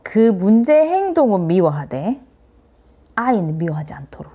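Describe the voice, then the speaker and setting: A woman's voice: mid-range voice, sing-song, moderate pace, warm tone. A middle-aged woman psychiatrist giving a parenting lecture, speaking earnestly, acting out what parents and children say and mixing in English phrases.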